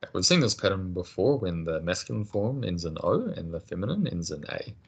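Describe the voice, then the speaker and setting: A man teaching a casual language lesson, patient and encouraging, explaining things slowly. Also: low-pitched, sing-song, vocal fry, breathy edge.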